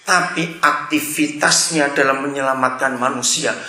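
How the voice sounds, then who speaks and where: A man preaching a sermon to a congregation, animated, calling out to the listeners, swinging between shouting and quiet asides. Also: medium pitch, moderate pace. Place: church hall. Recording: echoey church hall.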